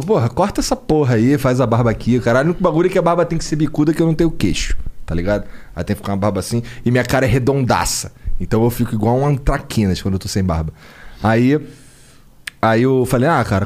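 A man's voice: mid-range voice, a little mellow. A man with a Carioca accent, a podcast host chatting in slang and telling jokey stories. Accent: Carioca Portuguese. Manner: slangy, joking, tells stories. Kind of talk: casual chat.

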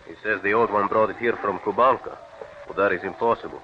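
Actor as a dismissive lieutenant, lowish voice, faint hiss, muffled old radio sound. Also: male voice, fairly even intonation, quick pace, lightly acted. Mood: brisk. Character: Russian army lieutenant, interpreter. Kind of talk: 1940s radio acting.

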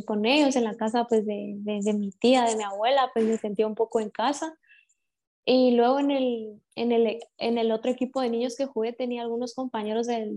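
A young woman footballer from Guatemala with a Guatemalan accent, giving measured, reflective interview answers with frequent restarts. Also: on the high side, dark tone. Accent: Guatemalan Spanish. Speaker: professional footballer, interview guest.

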